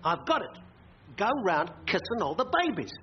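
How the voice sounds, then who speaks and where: A man's voice: sits high, big pitch swings, moderate pace. A man playing a cheery, blundering sidekick full of schemes in a radio sitcom, matey and blunt. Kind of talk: scripted radio sitcom acting. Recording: muffled, faintly hissy comedy recording.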